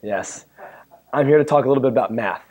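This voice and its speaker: A man with a hoarse, worn-out voice giving a chatty, joking technical talk at a conference and bantering with the audience. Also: medium pitch, fast talker, darkish tone. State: hoarse, losing his voice. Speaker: conference speaker. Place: conference room. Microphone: handheld or stand mic.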